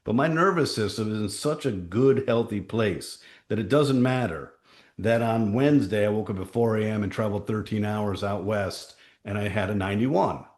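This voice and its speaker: A man with a deep, low voice leads a town hall talk as a company chief. He tells anecdotes in short, emphatic bursts. The sound carries a roomy echo. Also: normal speed, a little mellow. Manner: emphatic storyteller, punchy short phrases.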